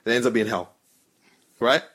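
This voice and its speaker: Male host, London roadman street accent, medium pitch, slangy casual talk peppered with tag questions. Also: normal speed, fairly bright tone. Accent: London, urban street. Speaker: podcast host. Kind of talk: casual chat, advice and debate.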